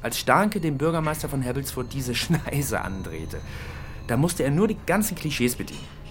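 A man narrating a radio feature in a wry, expressive way. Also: medium pitch, normal speed, slight background noise.

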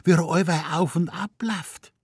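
A woman's voice: fairly low pitch, normal speed, breathy edge, no room sound, studio quality, pitched above the performer's own voice. A man reading aloud voices a plaintive, nagging Munich wife in broad Bavarian dialect. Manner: plaintive, scolding, pleading.

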